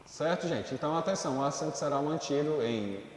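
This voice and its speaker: A man's voice: fairly high pitch, lively intonation, fairly quick, a little mellow, heavy reverb, in a large hall, slight background noise. A man teaching a school grammar lesson in Brazilian Portuguese, explaining rules step by step and often checking in with the class. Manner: explains step by step, checks in with "tudo bem, gente?".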